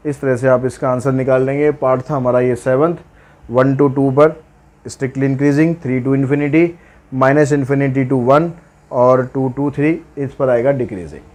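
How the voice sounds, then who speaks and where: A man's voice: mid-range voice, steady tone, takes it slowly, darkish tone. A male math teacher giving a casual blackboard lesson, teasing his students and stepping through the working one step at a time.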